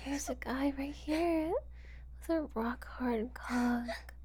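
Woman acting as goading adult woman, high-pitched, slow, taunting, partly whispered, audio drama. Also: darkish tone, husky, full character voice. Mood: coaxing, goading.

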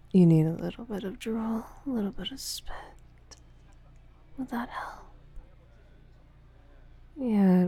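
A woman playing a dominant, taunting lover in an intimate audio roleplay, mostly in a husky whisper with a slow, commanding delivery. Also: mid-range voice, dark tone, heavily acted. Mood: teasing, commanding. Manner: slow, teasing, commanding, profane.

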